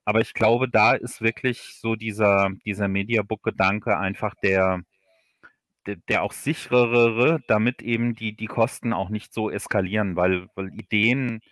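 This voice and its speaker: A man's voice: fairly low pitch, fairly even intonation, normal speed, fairly bright tone, no echo, studio quality. A man from Hesse, Germany, talking casually as a guest author in a livestream interview, often repeating words as he thinks. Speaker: guest author of audio dramas.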